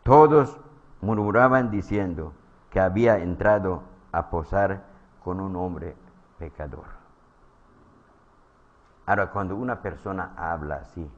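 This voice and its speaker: Low-voiced guy preaching, keeps saying brothers and eh, goes loud then drops quiet, dull lo-fi recording. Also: slight background noise. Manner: repeats phrases, swings between loud emphatic lines and low quiet ones; keeps addressing listeners as brothers, asking "eh?". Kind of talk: sermon. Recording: dull lo-fi sound.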